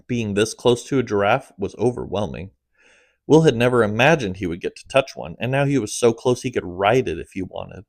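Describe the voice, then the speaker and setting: A man narrating his own comic audiobook in a fairly low voice. He keeps a steady storytelling pace and lets his voice sink at the ends of phrases, and the recording is close and dry with no room sound. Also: brisk, creaky, no room sound.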